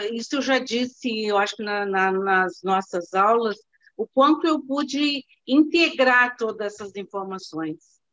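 A woman speaks at a fairly slow pace with lively intonation, in a dry sound with no echo over a quiet background. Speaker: course participant giving testimonial. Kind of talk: testimonial in an online class. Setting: video call. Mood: grateful, warm, emotional. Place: home room. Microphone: video call.

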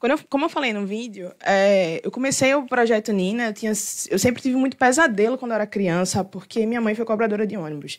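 A fairly quick, fairly high-pitched woman's voice with ordinary pitch variation against a quiet background. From Northeast Brazil. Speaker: young scientist, app founder; panelist. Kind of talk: panel talk. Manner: hesitant, many fillers. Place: hall.

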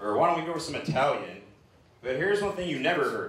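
Audible room echo surrounds a man's voice. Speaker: stand-up comedian. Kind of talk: stand-up comedy routine. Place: stage.

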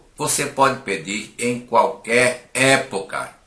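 Very slow male speech with audible room echo. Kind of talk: explanatory commentary to camera. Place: home room.

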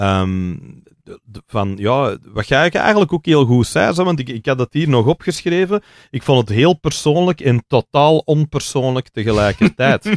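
A man talks at a fairly slow pace with hardly any pauses, very wide pitch swings and big swings in loudness. The sound is dry with no echo, over a quiet background. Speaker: podcast host. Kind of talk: casual interview chat. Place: studio. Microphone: studio mic.

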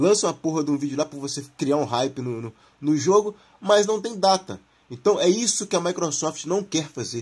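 The delivery comes at a moderate pace with lively intonation. Its loudness swings widely. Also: man, fairly high pitch for a man. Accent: Brazilian. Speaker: gaming youtuber. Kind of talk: video commentary. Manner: animated.

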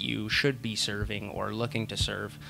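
Fairly even intonation at a fairly quick pace, with noticeable background noise. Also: man. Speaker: cryptocurrency exchange founder. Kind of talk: panel discussion. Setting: stage with audience. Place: meeting room. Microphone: handheld.

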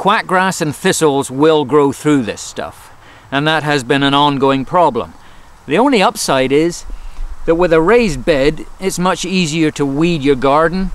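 A man at a fairly slow pace with ordinary pitch variation, dry with no echo. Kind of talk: garden tour explanation. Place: garden.

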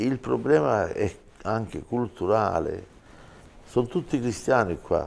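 Very slowly, a man talks with vocal fry and very wide pitch swings. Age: 70s. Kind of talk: interview. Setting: bishop's residence. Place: office. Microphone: lapel.

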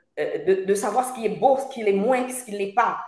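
The recording has audible room echo. The background is quiet. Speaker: author. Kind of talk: panel discussion. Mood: reflective, earnest. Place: home room.

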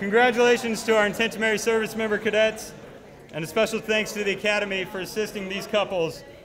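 Over light background noise, a man talks very fast in a high pitch. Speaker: military branch representative. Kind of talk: formal ceremony welcome and emcee announcements. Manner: formal, enthusiastic, measured. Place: hall.

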